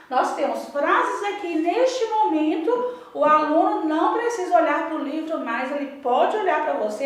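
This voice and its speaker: A woman with a Brazilian Portuguese accent training English teachers in a lively instructional talk, modeling drills aloud with varied intonation. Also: very high-pitched. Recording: echoey room, voice from a distance.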